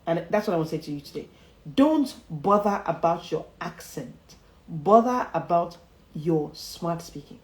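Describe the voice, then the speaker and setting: At a moderate pace, a public speaking coach runs a motivational livestream lesson, pressing each point emphatically, repeating key phrases, and chuckling often. Her lively pitch rises and falls, and a noticeable room echo colors the sound.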